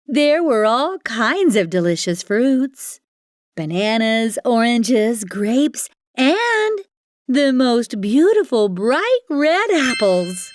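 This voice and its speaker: A woman tells a children's fairytale slowly and dramatically, with a very lively rise and fall. The sound is close and dry, with faint music behind her. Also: on the high side, no echo. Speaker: storyteller. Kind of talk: expressive children's fairytale narration.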